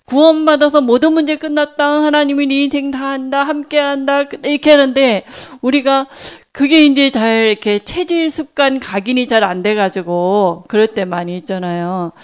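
A woman's voice: sits high, steady tone, moderate pace, few pauses. Chatty woman telling a church testimony. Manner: chatty storytelling, acts out family dialogue, laughs often. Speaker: church speaker sharing testimony. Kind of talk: conversational sermon with personal story.

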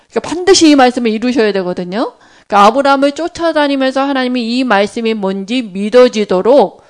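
A middle-aged woman giving an animated church testimony, acting out quoted dialogue as she goes. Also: fairly high pitch. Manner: animated storytelling, acts out quoted dialogue, laughs. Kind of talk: sermon testimony storytelling.

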